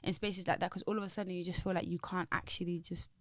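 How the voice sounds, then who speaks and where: A young woman with a London accent, co-hosting a casual chat podcast and telling stories in an animated way. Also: lowish voice, quick pace, dry recording. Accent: London English. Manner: animated storyteller, acts out quoted voices. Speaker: podcast co-host.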